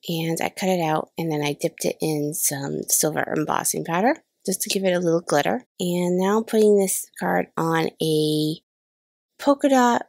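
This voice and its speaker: Woman in her thirties, host of a crafting tutorial voice-over; slightly nasal from a cold, low-pitched and gravelly, dry close recording. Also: darkish tone, no echo. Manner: chatty, self-deprecating about mistakes. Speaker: card-making channel host. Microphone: voice-over recorded separately.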